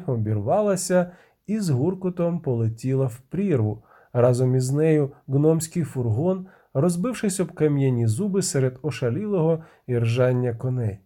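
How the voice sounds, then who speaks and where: A man's voice: on the high side, dark tone. A man narrating a fantasy audiobook with tense, vivid delivery.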